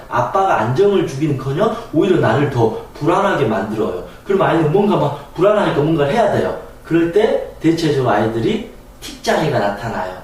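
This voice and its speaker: A man giving a spoken lecture as a channel host, talking in an animated way and acting out examples. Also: on the high side. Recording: echoey room, distant mic.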